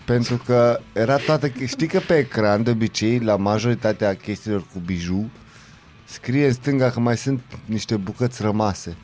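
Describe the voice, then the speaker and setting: Joking man in a casual chat. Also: a little mellow. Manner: joking, quick interjections, mock sales pitch.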